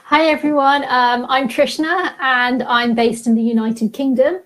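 A woman in her forties answers as an interview guest over a video call. She speaks in an articulate, steady way, with a slightly high voice. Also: unhurried. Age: 40s. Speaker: guest, patient advocate.

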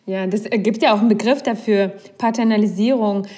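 A woman's voice: medium pitch, fairly even intonation, brisk, mellow. A young woman hosting a podcast, talking candidly in a casual conversation and thinking aloud with restarts. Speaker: podcast host.

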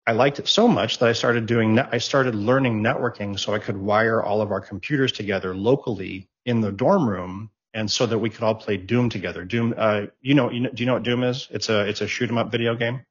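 This interview guest, a middle-aged tech professional born in Japan and raised abroad in Germany, talks briskly with hardly any pauses in a lowish, slightly rough voice with fairly even intonation. He rambles, restarting and repeating words, in a casual chat recorded with the highs cut off.

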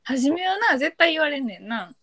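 A woman's voice: high-pitched, sing-song, moderate pace, fairly bright tone. A woman with a Kansai accent co-hosting a casual podcast chat, telling stories in a chatty way. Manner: chatty storyteller. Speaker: podcast co-host.

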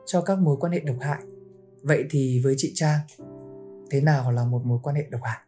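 A woman hosting a casual podcast, telling a story about a friend with lively quoted lines. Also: extremely low pitch, brisk, faint music behind. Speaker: podcast host.

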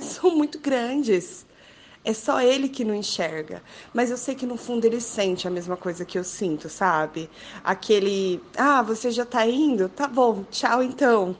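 A woman's voice: medium pitch, slight background noise. A woman with a Brazilian accent telling a story dramatically in a casual chat and acting out the dialogue. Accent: Brazilian Portuguese. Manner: dramatic, animated storyteller who acts out dialogue. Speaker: podcast co-host.

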